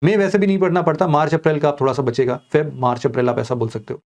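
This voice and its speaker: Speaking very fast in a slightly high, mellow voice with fairly even intonation, this coaching teacher lays out the course plan for exam aspirants. His Hindi is casual and sprinkled with English, and he addresses the students directly.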